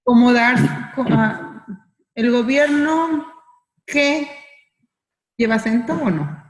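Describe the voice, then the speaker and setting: Woman student, hesitant question, fairly high voice, echoey room with long reverb. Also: lively intonation, slow, a little hiss or hum. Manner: hesitant, restarts mid-question. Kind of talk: class question.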